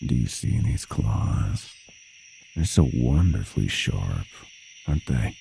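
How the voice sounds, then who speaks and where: An extremely low, heavily creaking monster taunts its human prey in a horror ASMR roleplay. It is sadistic and playful, slipping into breathy whispers as it savors each menacing line, with clear noise behind the voice. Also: male voice, big pitch swings, slow pace, mellow, exaggerated voice. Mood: gloating, playful menace. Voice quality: gravelly, breathy, often whispering.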